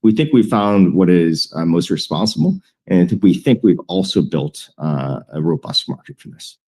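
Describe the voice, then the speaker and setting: A man presenting financial guidance as a company executive, in a measured, deliberate way with frequent hesitant pauses. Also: low-pitched, expressive, dark tone. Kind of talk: earnings call presentation.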